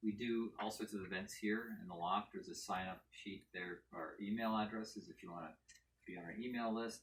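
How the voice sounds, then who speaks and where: A man talks at a fairly quick pace, his pitch fairly low and his intonation fairly even. He has an ordinary speaking voice. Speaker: event host. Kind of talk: casual introduction to a live audience.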